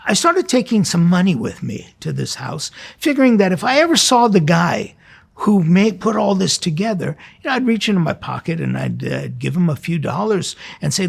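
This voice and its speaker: Man, 60s, priest-host. Heavy vocal fry, somewhat high-set pitch, conversational sermon style with earnest storytelling, over music. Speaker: priest and host of a religious program.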